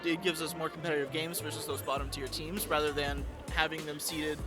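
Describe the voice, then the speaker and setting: An eager young man from Texas gives his opinions in a high voice. He speaks outdoors at an event, with clear music behind him. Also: little pitch movement, a little fast. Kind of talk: casual interview answers.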